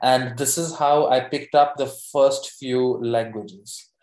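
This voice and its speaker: A man's voice: medium pitch, steady tone, takes it slowly, darkish tone, roomy sound, poor audio. A young man from South India with an Indian accent, answering interview questions in a friendly, explanatory way and often speeding up. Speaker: interview guest.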